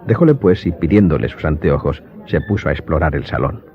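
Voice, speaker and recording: A man narrating a dramatized audiobook in a measured, literary storytelling manner. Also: extremely low pitch, expressive, a crowd in the background. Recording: dull lo-fi sound, loud music behind.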